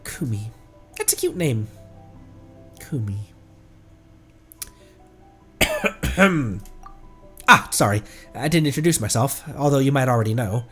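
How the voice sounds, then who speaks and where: Scatterbrained young researcher. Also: female voice, rumbling low, very animated, slow, long pauses, soft background music, exaggerated voice. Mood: sheepish. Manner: scatterbrained, chatty. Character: flighty, forgetful, grateful young female researcher.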